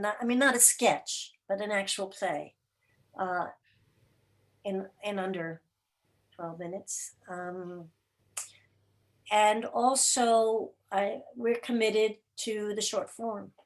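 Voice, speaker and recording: A woman speaking informally as a guest producer, answering interview questions on a remote video call. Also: medium pitch. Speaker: radio drama and podcast producer, guest.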